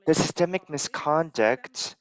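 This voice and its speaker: A man interpreting a conference talk live into English, measured and halting, pausing as he translates. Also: fairly high pitch, animated, a bit bright, poor audio. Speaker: simultaneous interpreter.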